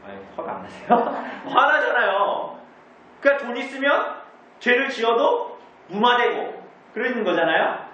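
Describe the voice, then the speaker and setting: Pastor teaching a catechism class, high and lively voice, asks the room questions and answers them himself, caught from a distance in a dull, very echoey church hall. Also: male voice, moderate pace.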